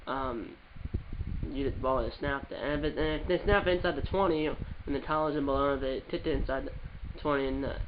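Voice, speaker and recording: A man with a stuffed-up voice commentating his football video game in a casual, rambling way, calling the plays as they happen. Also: medium pitch. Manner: rambling, with restarts and play-by-play calls. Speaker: gaming channel host. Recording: muffled with background noise.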